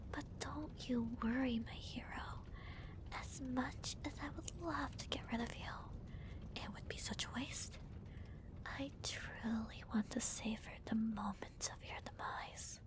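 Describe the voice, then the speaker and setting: A smug villainess acted out by a woman whispers her gloating monologue in an ASMR roleplay. She draws each phrase out slowly and teasingly, in a breathy, fairly high feminine voice with a theatrical air. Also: close to an everyday voice, rough recording. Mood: menacing, teasing. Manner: slow, deliberate, teasing, theatrical.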